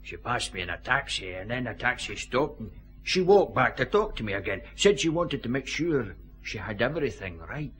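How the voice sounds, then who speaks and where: Scruffy Glasgow newsvendor, Scottish accent, wheedling, lively pitch, bright. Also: male voice, moderate pace. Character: scruffy jailed Glasgow newspaper seller, sly and easygoing. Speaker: small-time drunk informant. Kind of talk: radio drama acting.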